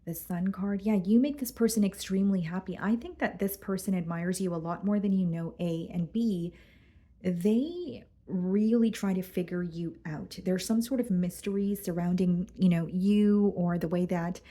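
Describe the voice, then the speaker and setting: A woman doing a casual tarot reading, going hoarse and clearing her throat as she talks through the cards with some hesitation. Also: on the low side, moderate pace, mellow. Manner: careful, hesitant, repeats words. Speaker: tarot reader.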